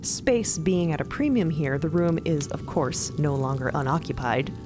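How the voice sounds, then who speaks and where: A woman's voice: deep voice, normal speed, over music. A woman co-narrating a fantasy audio story in a scripted storytelling style with light banter. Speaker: podcast co-narrator.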